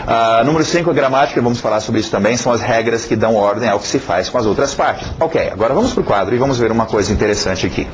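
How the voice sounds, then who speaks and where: A man who is not a native Portuguese speaker, teaching casually with a foreign accent in a conversational, encouraging way and often checking in with short tags. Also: medium pitch. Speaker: English teacher. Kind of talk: casual video lesson. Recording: dull, lo-fi, faint noise.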